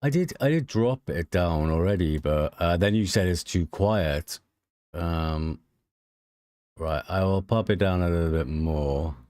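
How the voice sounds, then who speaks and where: A man, streaming a game and chatting casually with his viewers in a relaxed, hesitant way with many fillers. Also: measured pace, dry recording, studio quality. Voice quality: deep voice. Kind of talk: casual gameplay streaming chat. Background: game music.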